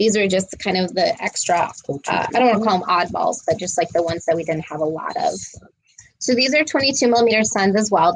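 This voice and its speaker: Her pitch rises and falls very widely. The woman speaks very fast. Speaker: bead shop seller hosting a live sale. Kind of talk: live sales stream, product presentation. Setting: livestream video. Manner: enthusiastic.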